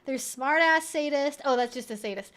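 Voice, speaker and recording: A woman's voice: high-pitched, normal speed, fairly bright tone. A woman hosting a casual live Q&A, thinking aloud in a rambling, amused way as she reads things out and reacts. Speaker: livestream host and kink educator.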